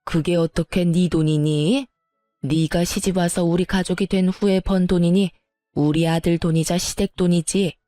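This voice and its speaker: A woman's voice: on the low side, fairly even intonation, normal speed, dark tone, no echo, clean studio sound, soft background music, natural voice. A woman voicing a greedy, scheming middle-aged mother-in-law who talks down and pries about money. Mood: condescending. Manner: condescending, prying.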